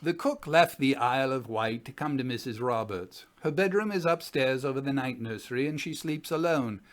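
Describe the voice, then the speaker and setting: A man in his sixties giving a measured, formal dramatic reading as the narrator of an old investigation report. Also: medium pitch, animated. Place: small home study, indoors.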